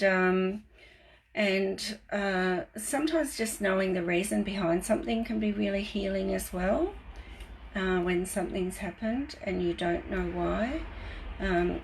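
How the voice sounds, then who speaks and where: Soft-voiced woman giving a gentle spiritual talk. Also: lowish voice, a little hiss or hum, poor audio. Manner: gentle and rambling, with many fillers. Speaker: host of a spiritual livestream. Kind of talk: casual spiritual talk to live viewers, reading from her newsletter.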